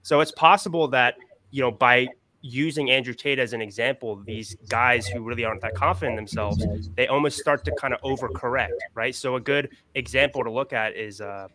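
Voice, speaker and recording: A man's voice: mid-range voice, fairly quick, bright, forceful tone. A man on a casual podcast panel, explaining his ideas at length and often checking in with "right?".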